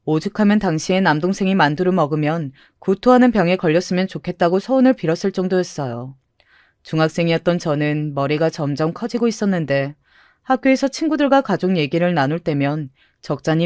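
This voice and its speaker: Lowish woman narrating a first-person story. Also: darkish tone, no room sound, studio quality.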